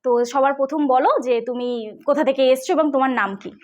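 A West Bengal–accented woman hosts a casual tech tutorial, speaking fast in a steady, darkish voice that sits high, with the high frequencies cut off. She explains chattily and often checks that listeners are following.

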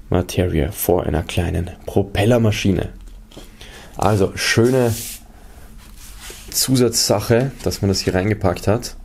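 A man's voice: fairly low pitch, gravelly, mellow, a little hiss or hum. A man hosting an unboxing video, casually and methodically describing items to viewers. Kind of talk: casual product showcase commentary to viewers.

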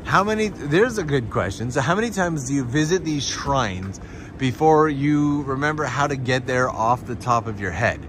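A man's voice: mid-range voice, moderate pace. Guy doing a walking livestream outside, laid back and chatty, street noise and cars going by. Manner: relaxed, chatty, answering viewer questions while walking. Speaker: vlogger and livestream host. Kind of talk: casual walking livestream chat. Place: outdoors on city streets. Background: street ambience and passing vehicles.

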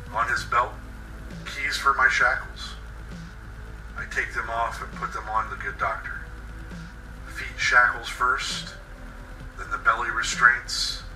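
A man reading a scripted first-person horror story in a deliberate, intense, dramatic way. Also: medium pitch, bright, forceful tone, distant mic. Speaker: writer reading his own horror story. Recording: roomy echo, off-mic, faint music bed. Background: faint music.

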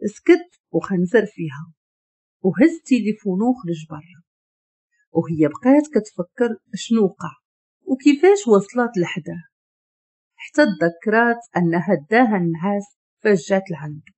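Telling a romance story in a Moroccan Arabic accent, a woman speaks at a moderate pace in a mid-range voice. Her tone is mellow and slightly husky, and her delivery stays steady and even throughout.

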